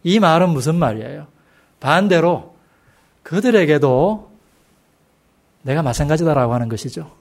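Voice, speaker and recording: A middle-aged man gives a sermon from the pulpit of a church. His voice sits a little high for a man. He paces his phrases slowly and presses them home with questions to his listeners. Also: animated. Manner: slow, emphatic delivery with rhetorical questions to the congregation. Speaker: preacher. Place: church sanctuary.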